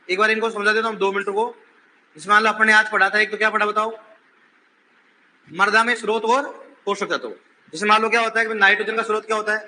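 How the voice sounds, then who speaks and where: A man's voice: sits high, slight background noise. A male teacher lecturing a classroom, quizzing and teasing his students and raising his voice to drill the answers. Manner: says he is shouting while teaching.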